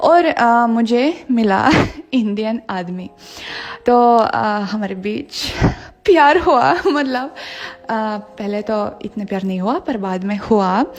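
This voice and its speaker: A woman with a Russian accent speaks in a fairly high voice with lively intonation over noticeable background noise. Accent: Russian accent in Hindi. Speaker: vlogger. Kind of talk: casual vlog talk. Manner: halting, many filler sounds.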